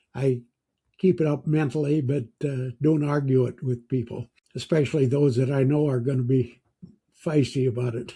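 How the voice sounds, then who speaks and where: A man's somewhat breathy, dark, mellow voice at medium pitch, with an American accent, fairly even intonation and a moderate pace. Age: 90s. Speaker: retired business owner. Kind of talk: interview. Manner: halting.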